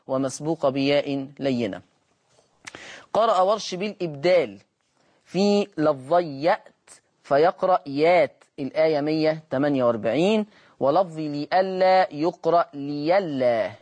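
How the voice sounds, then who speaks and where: A man teaching Quran recitation on a broadcast lesson, patiently repeating words slowly to demonstrate their sounds. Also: a little high, a little mellow. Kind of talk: televised Quran lesson, explaining Warsh reading.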